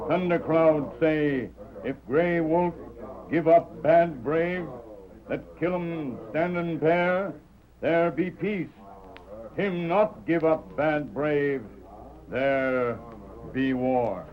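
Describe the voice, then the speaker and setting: A grave, terse Native American of a radio Western. His voice sits a little high for a man and moves slowly, in halting, clipped pidgin English. The sound is that of a muffled 1930s broadcast. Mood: stern, terse. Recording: dull, lo-fi old radio recording.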